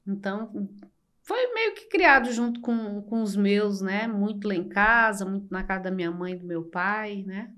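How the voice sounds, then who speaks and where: An older woman from Brazil, a podcast guest telling her life story slowly and reflectively, with many pauses. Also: medium pitch, animated, fairly bright tone. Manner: slow, reflective, with frequent pauses and fillers. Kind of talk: personal storytelling in an interview.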